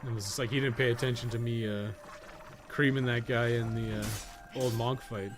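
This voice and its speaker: A man's voice: medium pitch, steady tone, moderate pace, music in the background. A man giving casual gaming commentary, thinking aloud in a rambling, profane way with joking asides. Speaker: podcast co-host playing a video game.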